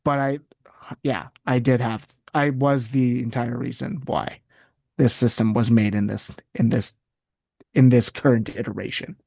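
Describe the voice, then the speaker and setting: A man from Canada talks casually as an interview guest, circling back and restarting his sentences as he wanders off on tangents. His voice sits in an ordinary middle pitch. The recording is dry and close, with no room echo. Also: fairly even intonation, unhurried, gravelly, darkish tone. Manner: rambling, restarts often, goes on tangents. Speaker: guest, wrestling site writer.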